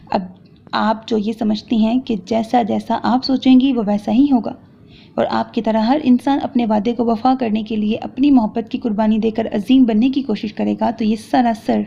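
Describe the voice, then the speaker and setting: A woman's voice: a little high, creaky, mellow. A woman reading the lines of an angry young man who harshly accuses and lectures his wife, in a romance audio novel. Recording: dull lo-fi recording.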